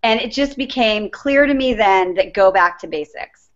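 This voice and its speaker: This middle-aged life coach speaks in a mid-range, fairly bright voice, animated and at a moderate pace. Interviewed as a guest, she earnestly tells her personal story, captured in a dull lo-fi recording.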